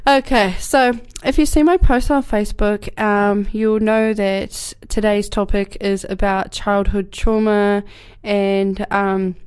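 A woman's voice: medium pitch, smooth. A young woman from New Zealand, speaking with a New Zealand accent, hosts her community radio show with a cold, in a rambling, casual way full of fillers and restarts. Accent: New Zealand English. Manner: rambling, many fillers and restarts, laughs often. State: has a cold. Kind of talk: casual solo radio talk. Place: radio studio.

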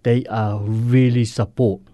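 A man from Samoa with a Samoan accent tells his story in earnest, halting English, the grammar simple and searching. His voice is mellow and dark, and the recording is close and dry. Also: mid-range voice, little pitch movement, no room sound. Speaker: guest sharing recovery story. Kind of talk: radio interview.

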